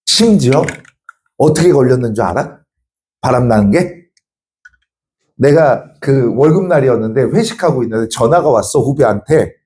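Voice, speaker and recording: A man's voice: mid-range voice, moderate pace. A male teacher in his thirties telling students a personal story, acting out both sides of the dialogue. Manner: animated, acts out both sides of a quarrel. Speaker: social studies teacher.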